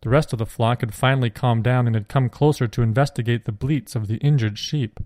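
A man reading a Christian children's adventure story aloud in a steady, clear narration. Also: medium pitch, brisk, no echo, clean studio sound.

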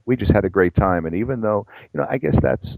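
Middle-aged male guest, very deep voice, wry and self-mocking, frequent restarts. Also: lively intonation, fast, darkish tone, no echo, poor audio. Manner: self-deprecating, discursive with many restarts. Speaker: guest psychologist and professor. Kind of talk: conversational interview answers.

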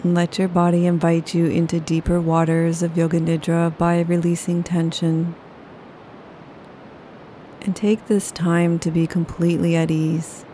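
Female meditation guide, low flat calm delivery, warm dark tone. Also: slight background noise. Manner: slow, soothing, unhurried. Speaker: yoga nidra guide.

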